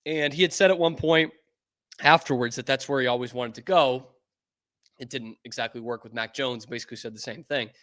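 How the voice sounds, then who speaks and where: A man from New England hosting a sports show, talking casually and getting excitable and profane. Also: medium pitch, a little fast.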